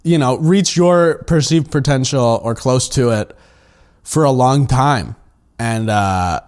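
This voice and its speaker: A man's voice: mid-range voice, slow pace, a little mellow. A man co-hosting a podcast, speaking earnestly in casual conversation and thinking aloud with "uh" and "like". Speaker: podcast co-host.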